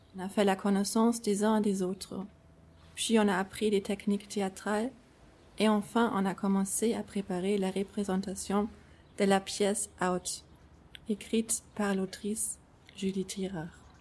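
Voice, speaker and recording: A woman's medium-pitched, somewhat breathy voice with a non-native accent, monotone and flat in intonation, fairly slow, with long, frequent pauses. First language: not French (speaking French). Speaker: amateur theatre participant. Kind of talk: personal narration.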